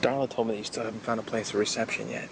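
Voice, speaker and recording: A man's voice: lowish voice, level tone, rapid-fire, gravelly, background noise. An actor playing a playful, persistent firefighter flirting his way through a romantic comedy film. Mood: teasing charm.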